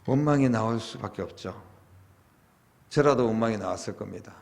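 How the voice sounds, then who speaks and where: A man's voice: on the low side, a little fast, vocal fry. Pastor, man, middle-aged, preaching sermon, rhetorical questions, emphatic swells. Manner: rising to animated, emphatic peaks when voicing complaint and prayer.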